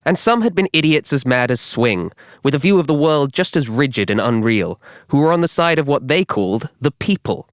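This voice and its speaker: Male narrator with lively pitch. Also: a little fast, few pauses, smooth, dry recording, clean studio sound. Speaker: professional voiceover artist. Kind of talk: scripted narration for audiobook, documentary and adverts.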